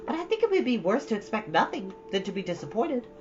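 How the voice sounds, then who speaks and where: A woman's voice: fairly high pitch, big pitch swings, fast, pitched above the performer's own voice. A woman voicing a dreamy, romantic, chattering young girl in a storybook, gushing with dramatic earnestness. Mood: thrilled, earnest. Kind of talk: storybook read-aloud. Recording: dull, lo-fi, faint background noise.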